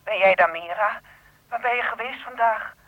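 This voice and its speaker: A woman's voice: a little high, normal speed, dry recording, lightly acted. An older woman acting in a radio drama, playing an anxious, irritable mother who is impatient and complains. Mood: agitated, irritable. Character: anxious, irritable elderly mother with aching legs. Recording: dull lo-fi old radio play recording.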